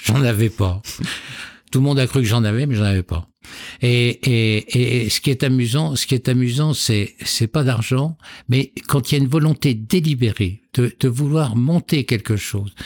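The delivery is fairly slow, with ordinary pitch variation. The recording is very clean, dry and close, with a silent background and no echo. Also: man, medium pitch for a man. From Jura, eastern France. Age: 60s. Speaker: retired insurance broker. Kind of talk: interview. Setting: wooden chalet by a lake. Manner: halting.

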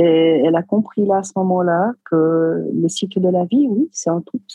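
This is a woman with a plain, everyday voice. Her pitch sits fairly low and varies in an ordinary way. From Switzerland (French-speaking), born in South Korea, adopted at 7. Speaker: shaman. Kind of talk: interview.

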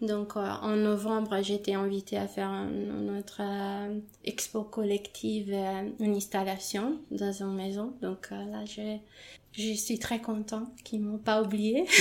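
A woman's fairly high voice with an Italian accent at a very slow pace, over noticeable background noise. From Italy. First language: Italian (speaking French). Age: 50s. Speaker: visual artist. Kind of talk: interview. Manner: halting, many hesitations.

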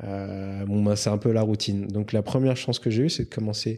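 A man speaks at a fairly low pitch with a dark, mellow tone and fairly even intonation. The recording is very clean, with a silent background. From Madagascar. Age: 30s. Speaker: asset management partner. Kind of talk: interview. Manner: halting, frequent repetitions.

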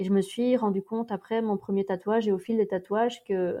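In a quiet background, a woman with a fairly high pitch and a dark, mellow tone speaks at a moderate pace with fairly even intonation. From Belgium. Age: 30s. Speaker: journalist. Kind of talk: casual interview.

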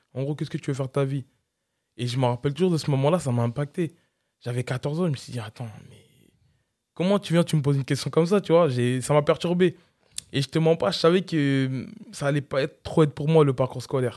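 A man talks very fast at a fairly high pitch, with ordinary pitch variation and a dark, mellow tone. His long, frequent pauses come through in a dry, close sound with no echo. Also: very clean recording, silent background. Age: 20s. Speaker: professional MMA fighter. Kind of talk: casual interview. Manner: calm.

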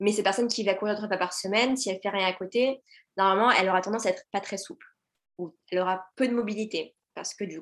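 This woman talks very fast at a medium pitch, with ordinary pitch variation. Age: 20s. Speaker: yoga teacher and mobility coach. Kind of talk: podcast interview.

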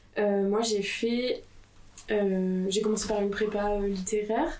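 A woman's plain, everyday voice, medium in pitch, with fairly even intonation. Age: 20s. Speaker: book publisher. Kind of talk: interview.

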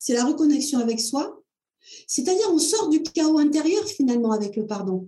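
At a moderate pace, a woman with a high pitch and a dark, mellow tone speaks with very wide pitch swings. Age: 60s. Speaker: psychotherapist. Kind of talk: interview. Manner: halting.

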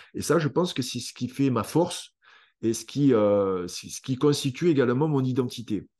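A man with a dark, mellow tone speaks at a moderate pace, with big swings in loudness, ordinary pitch variation and a quiet background. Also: medium pitch for a man. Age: 50s. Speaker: author. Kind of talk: interview. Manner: halting, many repetitions.

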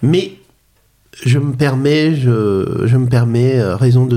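A man talks at a medium pitch. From Paris region, France. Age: 50s. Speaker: art director and photographer. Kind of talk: interview conversation. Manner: hesitant, many fillers and repetitions.

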